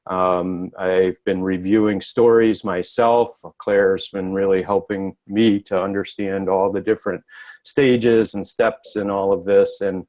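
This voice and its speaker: Low-voiced man professor on a video call. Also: darkish tone, rough recording. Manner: hesitant, many ums and restarts. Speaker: guest speaker, professor. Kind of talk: casual talk on a video call.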